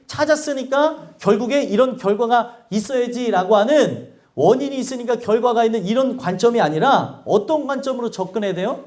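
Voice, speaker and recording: A male pastor preaching a sermon in church, asking the congregation questions and acting out angry prayers. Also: extremely high pitch. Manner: animated preaching with acted outbursts and rhetorical questions.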